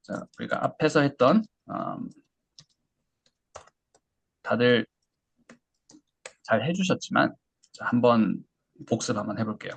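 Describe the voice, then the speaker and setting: A man with a creaky, husky mid-range voice and lively intonation gives an online lecture on English pronunciation. He walks through it step by step, slowly modeling phrases so learners can repeat them.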